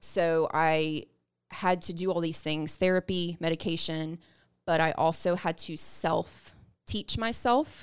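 A fairly low-pitched woman with a Southern US accent at a fairly slow pace, on a very clean recording with a silent background. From Alabama, US South. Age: 30s. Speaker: yoga instructor. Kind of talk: casual interview.

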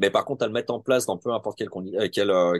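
A man talks at a very fast pace with lively intonation. The sound is dry and close with no echo. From France. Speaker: metal band vocalist. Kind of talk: interview.

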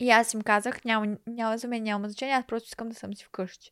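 Her pace is fairly quick. The sound is dry and close with no echo, in a very clean recording with a silent background. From Bulgaria, Plovdiv. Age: 20s. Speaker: influencer. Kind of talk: casual chat.

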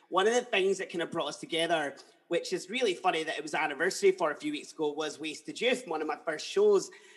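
A man talks fairly quickly in a Scottish accent. His pitch is high, with ordinary variation. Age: 20s. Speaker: podcast host. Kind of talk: casual chat. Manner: animated.

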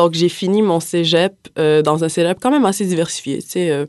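With fairly even intonation, the speaker uses a normal speaking voice at a fairly slow pace. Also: woman. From Montreal, Quebec. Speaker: law student. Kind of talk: casual chat.

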